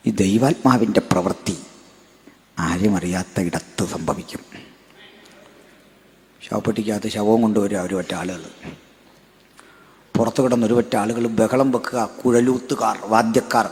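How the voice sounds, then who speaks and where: A man preaching a sermon, telling a story in low, hushed tones and then building to loud, shouted climaxes. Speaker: pastor.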